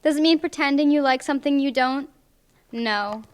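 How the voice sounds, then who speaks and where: A young woman reading a picture book aloud to children in clear, deliberate phrases at a library. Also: high-pitched. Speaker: volunteer storybook reader. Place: public library, indoors.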